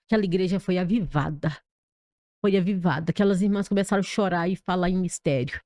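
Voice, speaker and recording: A woman's voice: on the low side, fairly quick, dark tone, dry recording, clean studio sound. A woman pastor with a Brazilian accent giving a dramatic personal testimony as a podcast guest, telling it vividly with sound effects. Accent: Brazilian Portuguese. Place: podcast studio.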